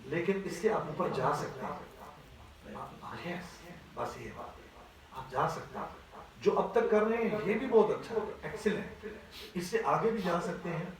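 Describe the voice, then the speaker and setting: A man's voice: sits high, animated, very echoey, recorded from a distance, a crowd in the background, rough recording. A man teaching a class on Quran recitation, explaining step by step and often checking that his students follow. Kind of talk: classroom voice lesson.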